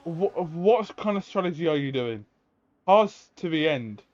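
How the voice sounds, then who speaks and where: Higher-pitched male motorsport commentator, lo-fi audio. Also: lively intonation, a little slow, a little mellow. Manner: running play-by-play calls mixed with rhetorical questions. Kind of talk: live motorsport race commentary. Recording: dull lo-fi voice audio.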